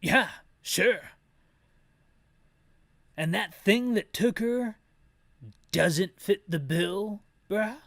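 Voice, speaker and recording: A man's voice: sits high, drawn-out words, pauses often, a bit bright, no echo, voice pushed up, full character voice. A man voicing an edgy, cool young male video game hero in an earnest, dramatic way. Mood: edgy, determined. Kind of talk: amateur character voice for game dialogue.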